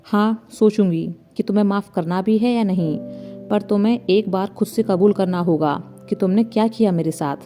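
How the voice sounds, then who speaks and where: A woman's voice: medium pitch, moderate pace, dark tone, faint music behind, lightly acted. A woman voicing a spirited, teasing young woman in a storybook reading, with a playful manner. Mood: stern. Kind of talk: storybook narration.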